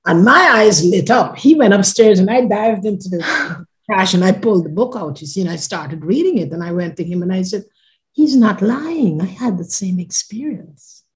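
An older Guyanese woman, appearing as a podcast guest over a video call from her living room, earnestly shares a personal story. Her medium-pitched voice is expressive and moves at a moderate pace, with phrases that often trail off softly.

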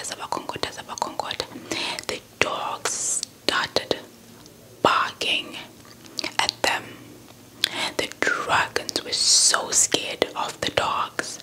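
A young adult woman from South Africa telling a folktale as ASMR in a breathy whisper, repeating words and phrases close to the microphone. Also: bright, forceful tone, rough recording. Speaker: ASMR storyteller. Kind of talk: whispered ASMR folktale storytelling with playful roleplay. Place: small indoor setup before a cloth backdrop. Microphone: handheld microphone with fluffy windscreen, held close.

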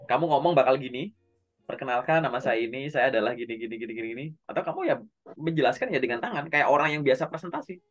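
A man coaching a learner on job interviews in a relaxed, conversational way, speaking straight to them. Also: mid-range voice. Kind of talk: casual online coaching session.

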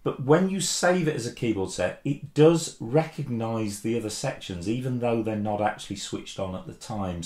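A man's voice: mid-range voice, darkish tone. Easygoing man in an echoey room. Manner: easygoing, plain-spoken, frequent "um" and "uh". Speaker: keyboard tutorial presenter. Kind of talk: relaxed step-by-step tutorial. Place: home studio office with desk and plants, indoors.

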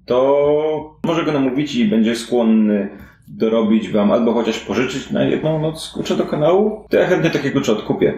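A man's voice: mid-range voice, lively intonation, moderate pace, mellow, pitched above the performer's own voice, natural voice. A man voicing a shrewd, dismissive woman who runs port-side crime in a fantasy tabletop game, talking in an offhand, worldly, slangy way. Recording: echoey room with clear background noise.

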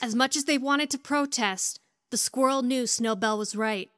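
High-voiced woman narrating a story. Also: normal speed, fairly bright tone, no echo, clean studio sound. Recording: clear background noise.

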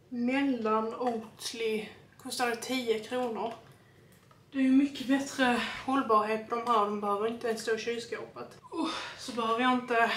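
A woman's voice: on the high side, a bit bright, slight background noise. A young woman vlogging in casual chat about her shopping, talking freely and swearing when annoyed.

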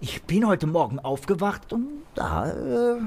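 High, theatrical swashbuckling pirate. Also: male voice, sing-song, creaky, darkish tone, breathy edge, heavily acted. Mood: evasive. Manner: theatrical, playfully grandiose, drawn-out delivery. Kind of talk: comic swashbuckling radio play. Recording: music bed under the voice.

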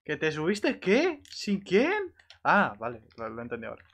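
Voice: mid-range voice, wildly swooping pitch, normal speed, fairly bright tone. A game streamer with an accent from Spain, chatting casually on a live stream. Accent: Spanish, from Spain. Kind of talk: casual gaming stream chat.

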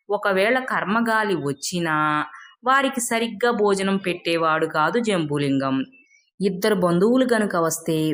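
Woman narrating a scripted folk tale. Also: medium pitch. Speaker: storyteller.

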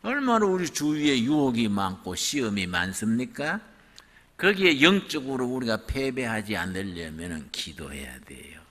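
A man preaching a sermon in a church, animated and dramatic, swinging his pitch widely as he acts out prayers. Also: normal speed. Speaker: pastor. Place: church sanctuary. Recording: long hall reverb.

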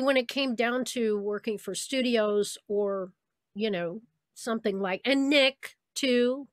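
A woman's voice: a little high, no room sound. A woman from Saint Louis, a voice actress, giving reflective, easygoing answers in an interview, laughing now and then. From Saint Louis, USA. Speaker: voice actress guest.

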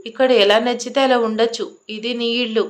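A woman reads a stubborn, arrogant young man in a storybook romance, clipped and commanding, giving orders and refusing to bend. The voice stays fairly high for a man and keeps his bossy manner throughout. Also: steady tone, fairly quick, close to an everyday voice. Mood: stern, bossy. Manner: curt and commanding.

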